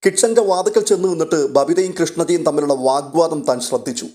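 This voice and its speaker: A man's voice: a little high, fairly quick. Man narrating a serial story. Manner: steady dramatic storytelling.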